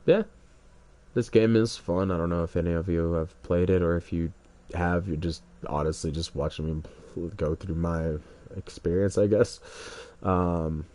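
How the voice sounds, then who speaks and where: A man's voice: sits low, fairly even intonation, normal speed, warm tone. A young man streaming a game, congested, rambling hesitantly with many restarts while he waits for a match. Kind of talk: rambling solo stream chat.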